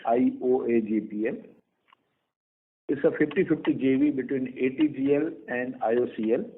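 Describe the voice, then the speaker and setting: A male company executive with an Indian accent and medium pitch delivers a prepared earnings call presentation. He's heard over a phone or conference line, and the audio is tinny.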